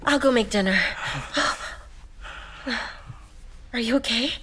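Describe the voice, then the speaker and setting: An actress playing a cool, distant wife in dubbed film dialogue. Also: female voice, on the high side, slow, fairly bright tone, slight background noise.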